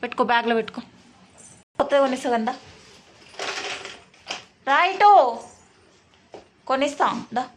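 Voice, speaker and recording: A woman's voice: high voice, animated, fairly bright tone, a little hiss or hum. A woman, a mother talking with her children at home, scolding and coaxing in turn. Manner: scolding then coaxing, quick. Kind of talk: casual family talk.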